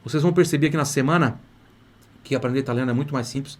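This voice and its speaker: A Brazilian man with a mid-range voice teaches a live online class at a brisk clip. He speaks with eager enthusiasm, coaxing his students along and checking in with them often. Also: medium pitch. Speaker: language teacher and course host.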